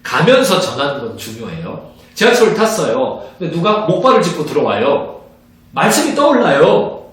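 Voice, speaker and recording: A man, a pastor, giving an evangelism training lecture in an animated way, acting out little conversations as he teaches. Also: a little high, normal speed. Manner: animated, acts out little dialogues in different voices. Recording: very echoey room, distant mic.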